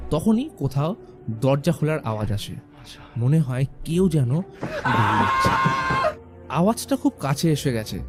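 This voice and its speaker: A man narrating a horror film recap in a hushed, suspenseful storytelling manner. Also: a little high. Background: faint background music.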